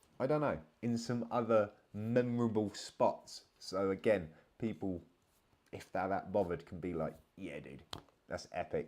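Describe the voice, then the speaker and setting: Fairly slow, lively delivery in a very clean recording with a silent background. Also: man, fairly low pitch for a man. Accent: British. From England. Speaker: live show host. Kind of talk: casual live-stream chat. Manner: casual, slangy.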